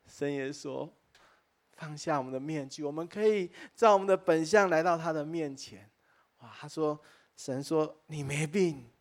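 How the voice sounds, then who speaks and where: A man preaches a sermon to his congregation, his voice sitting a little high for a man. He tells stories with earnest feeling and exclaims in wonder along the way. He often speaks straight to his listeners as dear friends. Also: normal speed. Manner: addresses listeners directly and warmly as dear friends. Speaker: pastor. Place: church, preaching to a live congregation.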